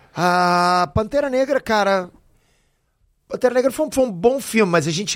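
Here a man speaks with lively intonation. The recording is very clean, with a silent background. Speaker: YouTuber and entrepreneur. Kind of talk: casual chat.

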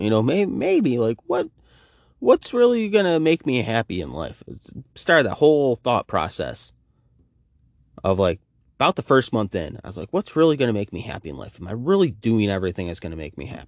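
With very wide pitch swings, a man talks at a fairly quick pace in a dry, close sound with no echo. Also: medium pitch for a man, big swings in loudness, quiet background. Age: 30s. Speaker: podcast host. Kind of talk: casual solo monologue. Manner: casual, conversational.

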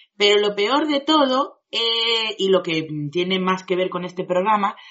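A normal speaking voice from a woman, medium in pitch, fairly slow, with lively intonation. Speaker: podcast co-host. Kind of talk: casual chat.

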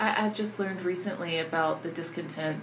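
Amid noticeable background noise, a woman speaks fairly quickly, her intonation fairly even. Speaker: podcast host. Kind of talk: interview, casual conversational.

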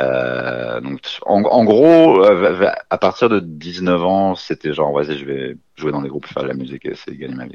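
With hardly any pauses, a man with a very deep, low voice speaks at a fairly slow pace, his intonation lively and his loudness swinging widely. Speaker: stand-up comedian. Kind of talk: casual chat.

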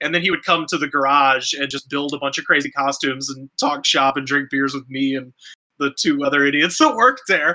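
A man with an American accent, fairly high pitch, a bright, sharp tone, fairly even intonation and a fairly quick pace. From Alabama, US South. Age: 30s. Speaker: comedian and podcaster. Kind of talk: casual chat.

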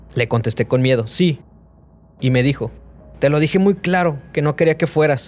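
Music plays in the background as a man talks at a moderate pace. His fairly high voice has lively intonation. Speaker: podcast co-host. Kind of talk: reading aloud. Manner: halting, stumbles while reading.

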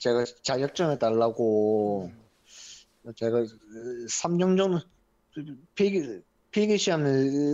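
A man's dark, mellow tone moves with lively intonation. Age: 20s. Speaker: hypnosis client. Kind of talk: counseling session. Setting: phone call. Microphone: too loud, phone too close.

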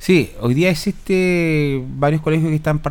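A man talks in a normal speaking voice at a fairly slow pace, with ordinary pitch variation. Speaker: city councillor. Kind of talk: radio interview. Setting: radio studio.

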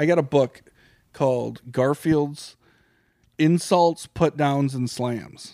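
Dark and mellow in tone, the speaker goes at a very slow pace with long, frequent pauses, in a dry, close sound with no echo in a very clean recording with a silent background. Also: man, fairly high pitch for a man, fairly even intonation. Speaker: co-host. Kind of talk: casual chat.

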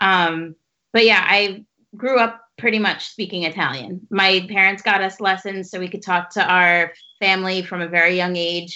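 With a plain, everyday voice, a woman speaks at medium pitch and a moderate pace, her intonation fairly even. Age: 20s. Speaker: realtor and traveler. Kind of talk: casual interview. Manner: casual, chatty.

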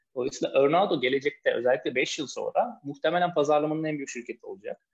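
A man talking at a very fast pace. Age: 20s. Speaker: startup co-founder. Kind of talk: casual interview.

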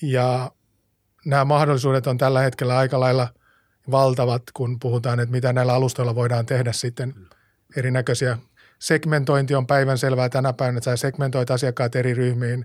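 At a fairly quick pace, a man talks in a flat monotone at a medium pitch. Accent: slight Turku. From Finland, Varsinais-Suomi (Alastaro). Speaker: online retail CEO. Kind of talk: podcast interview. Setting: studio.

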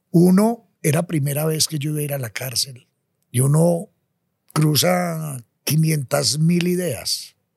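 Very slowly and somewhat breathily, a man talks at a fairly high pitch, the sound dry and close with no echo. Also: lively intonation. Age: 60s. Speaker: former prisoner, cargo transporter. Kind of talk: testimony in interview.

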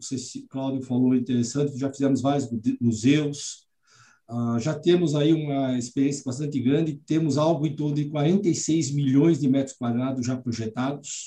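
Somewhat breathy, a man's voice rides a fairly high pitch with fairly even intonation. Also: moderate pace. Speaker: building automation engineer. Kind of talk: live video panel discussion.

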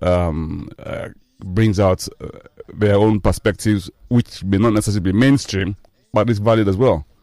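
Fairly low male pitch with a dark, mellow tone and ordinary pitch variation. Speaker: football podcaster. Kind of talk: casual banter about football.

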